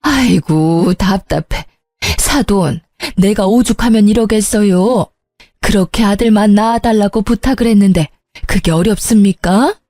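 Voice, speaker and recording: A woman voicing an older mother-in-law obsessed with grandsons, lamenting in long, drawn-out sobs. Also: mid-range voice, dark tone, no room sound. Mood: complaining.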